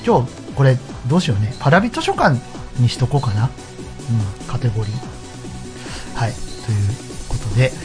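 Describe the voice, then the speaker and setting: A man with a mid-pitched voice hosts his own show over background music. He talks casually but politely to his listeners, in the manner of a solo radio presenter. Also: sing-song, a little fast.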